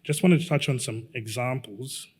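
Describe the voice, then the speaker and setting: A middle-aged man from Zambia giving a measured, halting conference presentation as a lawyer, with frequent fillers. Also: medium pitch, breathy edge.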